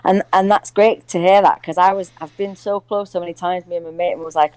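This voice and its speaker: A woman in her forties from Hull, England, calling in to a live show. She talks in a chatty, excitable way and laughs easily. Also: lowish voice, a little fast, clear, resonant tone, dry recording, rough recording. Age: 40s. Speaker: caller. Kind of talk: casual call-in chat.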